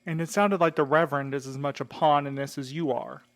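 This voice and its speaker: A man's voice: fairly high pitch, fairly even intonation, fairly quick, lightly acted. An actor playing a guarded, bitter man in an audio drama, questioning a captive in a terse, accusing, sceptical way.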